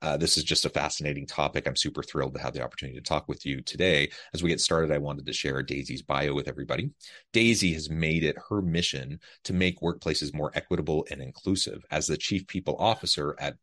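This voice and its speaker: A man's voice: rumbling low, fast, a bit bright. A man hosting a podcast interview, reading the guest's bio formally and with enthusiasm. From United States. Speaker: podcast host. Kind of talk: podcast interview with scripted intro.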